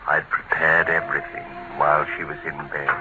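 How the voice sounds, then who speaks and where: An actor playing a tormented older man narrating his crime in a 1940s radio drama, slow and brooding. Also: a bass voice, little pitch movement. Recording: noisy muffled 1940s radio broadcast.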